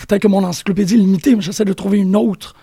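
Man, high pitch, husky gravelly voice, dry sound, emphatic panelist. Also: fairly even intonation, rapid-fire, dark tone, no echo. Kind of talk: panel discussion.

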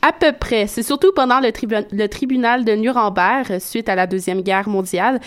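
A woman's voice: on the high side, normal speed. A woman giving a radio segment, explaining facts step by step in a conversational way. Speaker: radio columnist.

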